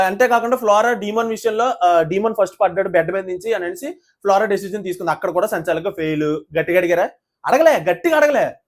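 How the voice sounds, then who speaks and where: Fast, high-voiced indignant man ranting. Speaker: reality show reviewer. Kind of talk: heated casual commentary.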